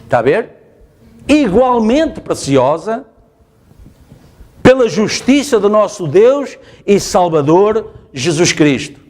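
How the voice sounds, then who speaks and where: A man's voice: high-pitched, very animated, slow, pauses often, darkish tone. A male pastor with a European Portuguese accent, preaching emphatically and repeating his phrases. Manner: emphatic, repeats phrases, asks the congregation "está a ver?". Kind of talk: sermon. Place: church.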